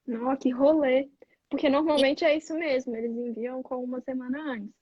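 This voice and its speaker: Woman host, casual chat. High, husky voice, chatty reactions, on a dull, dry recording. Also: steady tone, brisk, a little mellow, dry recording. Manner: chatty, reacts and asks follow-ups. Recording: dull, dry, slightly muffled.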